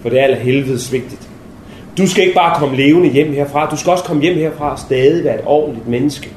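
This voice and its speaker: A man playing a stern, earnest male army captain, speaking low, quiet and insistent, in a roomy space with faint noise. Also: natural voice.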